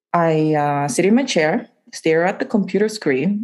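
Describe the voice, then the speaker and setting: With a Japanese accent, the speaker moves at a fairly slow pace with lively intonation. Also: woman. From Japan, Okayama. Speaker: English pronunciation teacher. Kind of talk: casual interview.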